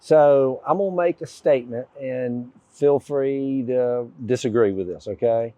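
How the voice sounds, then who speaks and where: A man's voice: mid-range voice, measured pace, warm tone, dry recording, dull audio. A man hosting a local talk show as mayor, talking conversationally and building emphatically when he argues a point. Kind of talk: conversational interview.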